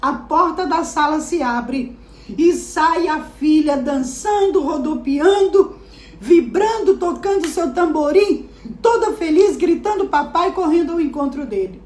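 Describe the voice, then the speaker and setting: An older woman pastor, preaching a dramatic sermon that swings between soft and emphatic. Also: sits high, measured pace, reverberant.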